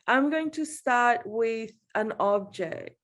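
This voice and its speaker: A woman from El Salvador with a fairly high voice talks slowly and haltingly about her own work. She is informal and self-deprecating, breaking into small laughs as she goes, speaking over a video call. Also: expressive, a bit bright. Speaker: artist giving a talk. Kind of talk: informal personal reflection in an online panel.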